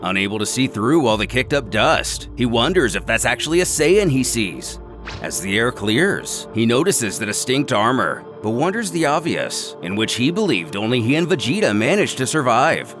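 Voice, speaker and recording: A man's voice: medium pitch, sing-song, moderate pace, a bit bright. A man delivering scripted, dramatic narration of a story. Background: music.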